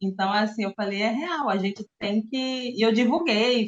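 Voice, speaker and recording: A woman speaks with a northeastern Brazilian accent. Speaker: confectioner, customer giving testimonial. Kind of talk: testimony. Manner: hesitant, with fillers.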